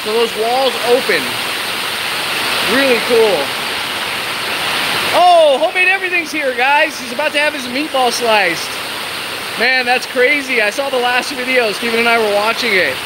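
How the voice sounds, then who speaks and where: High-voiced woman over roaring rain. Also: normal speed, pauses often. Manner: enthusiastic, informal. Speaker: vlogger giving a tour. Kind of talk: casual walk-through commentary. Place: large metal shed in rain. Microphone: handheld camera. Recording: very loud rain roar and hiss.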